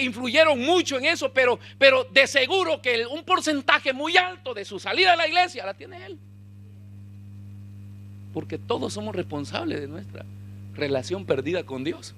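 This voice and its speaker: Pastor, high and bright, animated preaching over a faint hum. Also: male voice. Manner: animated preaching, shouting in peaks, acting out dialogue. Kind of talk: sermon.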